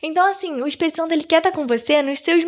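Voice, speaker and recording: A teenage girl speaking as a podcast guest, telling a lively story about her faith with frequent restarts. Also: extremely high pitch, very fast. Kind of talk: casual faith testimony.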